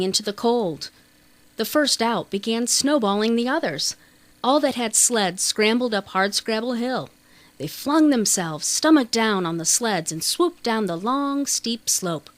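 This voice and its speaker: A woman reading a children's novel as an audiobook narrator, in a measured, expressive storytelling manner. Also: mid-range voice, dry recording.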